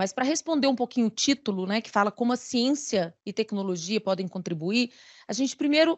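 Speaking at a fairly quick pace over a quiet background, a woman uses a fairly high pitch and ordinary pitch variation. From Brazil. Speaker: government official. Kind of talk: conference panel presentation. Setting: stage with audience. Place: meeting room. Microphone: handheld.

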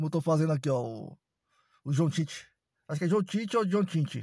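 A man speaks at a fairly quick pace in a high pitch. The recording is very clean with a silent background. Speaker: YouTuber teaching pixel art drawing. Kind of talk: casual tutorial. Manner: hurried.

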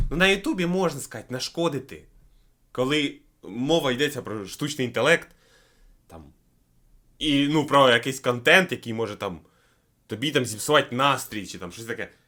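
A man with a bright, sharp tone and lively intonation speaks with big swings in loudness and long, frequent pauses, recorded very cleanly against a silent background. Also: medium pitch for a man, moderate pace. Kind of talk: casual stream banter. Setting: livestream. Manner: joking, animated.

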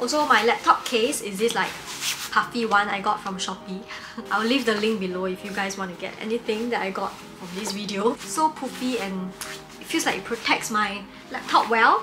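Over clear music in the background, a woman speaks with ordinary pitch variation and big swings in loudness. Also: moderate pace. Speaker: lifestyle vlogger. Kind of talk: casual haul vlog chat. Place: home room.

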